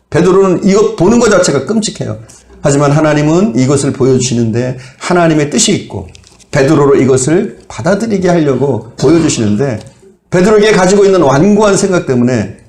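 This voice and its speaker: A man's voice: fairly high pitch, a little mellow, roomy sound. A male pastor preaching a sermon in a conversational way, putting rhetorical questions to the congregation and listing examples in short phrases. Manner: lists items one by one in short phrases. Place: church sanctuary.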